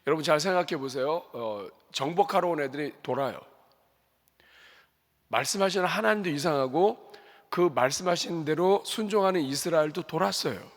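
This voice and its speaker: A male senior pastor preaching an animated sermon, questioning the congregation and acting out prayers in quoted voices. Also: on the high side, normal speed. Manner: acts out prayers and God's commands in quoted voices. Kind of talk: Sunday afternoon sermon. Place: church sanctuary. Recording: long hall reverb of a church sanctuary.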